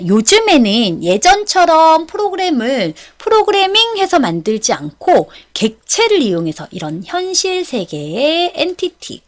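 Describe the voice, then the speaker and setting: A woman instructor delivers an explanatory lecture. Her voice sits fairly high and swings widely in pitch from phrase to phrase. She is polite and didactic, taking each point one step at a time. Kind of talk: explanatory exam-prep lecture.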